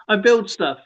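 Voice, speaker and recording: A man's voice: sits high, a bit bright, slightly rough. An English man co-hosting a live stream in casual chat, joking and laughing often as he tells stories. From England. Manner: laughs a lot, jokey storytelling. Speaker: stream co-host. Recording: dull lo-fi stream audio.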